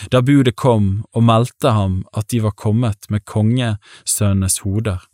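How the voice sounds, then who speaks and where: Guy reading the bible aloud, calm and even, lowish voice, dry close sound. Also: no echo. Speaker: Bible reader. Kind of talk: scripted scripture reading.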